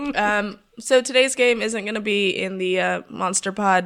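A woman's voice at a fairly slow pace. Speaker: podcast host. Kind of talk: casual comedy chat and game session.

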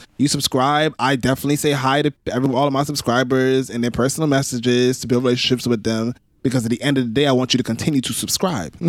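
The speech runs at a very fast pace with hardly any pauses and fairly even intonation, in a very clean recording with a silent background. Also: man, medium pitch for a man. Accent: Barbadian. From Barbados. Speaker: podcast producer. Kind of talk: casual chat.

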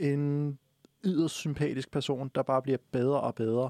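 On a very clean recording with a silent background and a dry, close sound with no echo, a man with an ordinary speaking voice talks at a fairly slow pace and a fairly high pitch. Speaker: podcast host. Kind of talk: casual chat.

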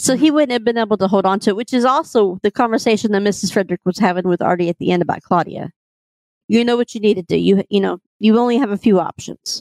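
Recorded dry and close with no echo, a woman with a Southern US accent talks at a medium pitch with ordinary pitch variation. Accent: Southern US drawl. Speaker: co-host. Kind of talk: casual podcast chat.

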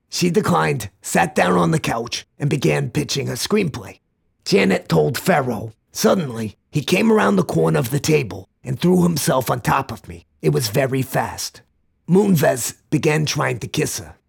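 A man's voice with vocal fry and very wide pitch swings, in a dry, close sound with no echo. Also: medium pitch for a man, moderate pace. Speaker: podcast host. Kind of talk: interview with news commentary. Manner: joking, teasing.

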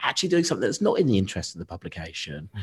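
A man speaks with an English accent. The background is quiet. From England. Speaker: media journalist and author. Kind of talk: interview.

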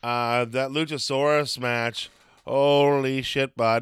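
In a plain, everyday voice, a man talks at a medium pitch. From Canada. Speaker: wrestling podcast host and comedian. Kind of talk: casual chat. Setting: remote call with co-host.

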